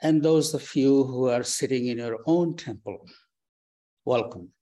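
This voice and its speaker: A man leading a guided breathing meditation, giving slow, calm, soft instructions with long pauses. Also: mid-range voice. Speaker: meditation teacher. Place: temple or meditation hall.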